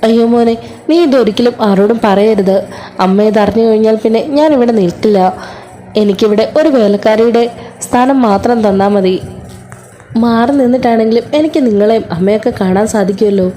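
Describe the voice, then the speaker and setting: Give me a gentle self-sacrificing elder sister, soothing and pleading, with a warm low-key tone, as a woman storyteller plays her. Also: fairly quick, natural voice.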